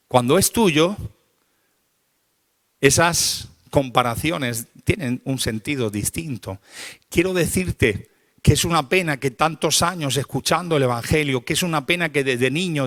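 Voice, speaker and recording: A male pastor preaching a sermon. He talks with repetitive, rhythmic calls to the congregation and swings from quiet, confessional passages to loud, rising climaxes. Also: medium pitch.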